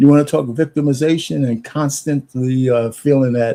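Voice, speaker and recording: Heard in a very clean recording with a silent background, a man in an American accent speaks with a dark, mellow tone. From New York. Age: 60s. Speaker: podcast host. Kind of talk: opinion monologue. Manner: animated.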